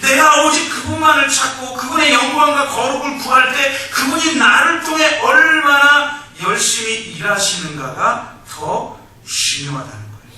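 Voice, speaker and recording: A male pastor preaching a sermon emphatically, swinging between shouts and hushed asides. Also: very high-pitched. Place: church sanctuary. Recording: echoey hall, distant mic, faint noise.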